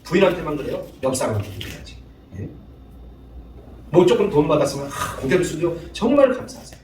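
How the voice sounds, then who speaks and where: A man's voice: a little high, quick pace, echoey room, far from the mic, slight background noise, rough recording. A male pastor preaching a sermon, acting out spouses' lines in changed voices and calling out to the congregation for responses. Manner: lively, calls out to the congregation for responses. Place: church sanctuary.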